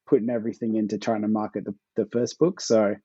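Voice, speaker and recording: Dark husky Australian man, low-fi. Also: fast talker, dry recording, lo-fi sound. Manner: relaxed, hesitant with fillers and restarts. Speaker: author guest. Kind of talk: casual interview chat.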